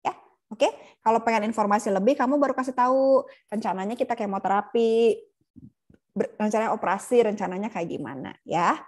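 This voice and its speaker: A woman's voice: medium pitch, brisk, a little mellow. A woman lecturing on palliative care in a casual, chatty way, often laughing and acting out patient and nurse lines. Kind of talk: casual online lecture with role-play examples.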